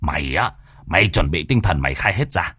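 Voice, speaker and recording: A man playing a blunt, gruff angry uncle. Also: deep voice, lively intonation, a little fast, sharp tone, no room sound, clean studio sound, pitched below the performer's own voice, exaggerated voice. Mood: gruff threats. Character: angry grieving middle-aged man, blunt.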